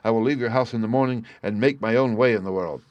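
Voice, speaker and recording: A man voicing a proud young gentleman in debt, speaking in a raised, heated way. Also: on the low side, a little fast, dry recording, lo-fi sound, lightly acted. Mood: defiant. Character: proud young gentleman, indebted, defiant son.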